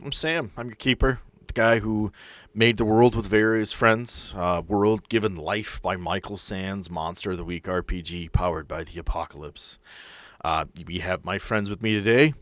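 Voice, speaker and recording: A man with a fairly low voice talks as a game master hosting a podcast. He is casual, earnest and plain-spoken. The sound is dry, with little room to it. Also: fairly even intonation, moderate pace, fairly bright tone, dry recording.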